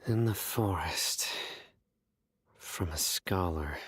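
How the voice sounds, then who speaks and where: A man voicing a stern, composed investigator in a video game, measured, terse and deadpan. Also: low-pitched, husky, dry recording, heavily acted. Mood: pensive.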